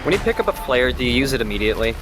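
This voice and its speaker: A co-commentator chats casually over a video game with curious, playful reactions. The pitch swings very widely. Music is clearly heard behind the talk. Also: sing-song, racing, rough recording.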